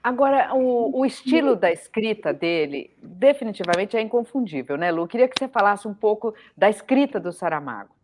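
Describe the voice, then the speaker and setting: Woman host, very lively pitch. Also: a little fast, hardly any pauses, slight background noise. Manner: asks questions in a friendly, conversational way. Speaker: interviewer and host. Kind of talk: live interview.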